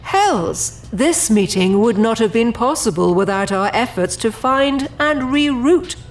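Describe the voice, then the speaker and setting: A woman's voice: a little high, lively intonation, measured pace. A woman playing a proud, formal, defensive overseer of an infernal project in an audio drama, with haughty, precise diction. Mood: indignant.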